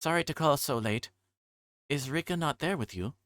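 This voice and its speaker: A man's voice: on the high side, expressive, normal speed, fairly bright tone, pitched above the performer's own voice. A man voicing a polite, unsure young girl while reading a visual novel's dialogue aloud.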